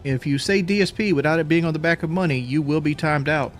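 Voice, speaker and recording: A man's voice: a little high, fast talker, faint music behind. A man chatting casually on a live stream, out of breath after a workout, rambling and repeating himself as he talks.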